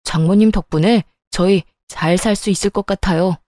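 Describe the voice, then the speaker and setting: An eager young man, read by a woman narrator, thanks his future in-laws with grateful enthusiasm. The voice is mellow and soft. The recording is close and dry, like a storybook reading. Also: medium pitch, moderate pace, no echo, close to an everyday voice. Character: eager young man, jobless son-in-law-to-be.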